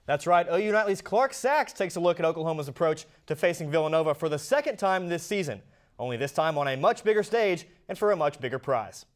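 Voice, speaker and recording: Upbeat high-voiced young male anchor. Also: animated, brisk. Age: young adult. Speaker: sports anchor. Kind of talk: student newscast anchoring.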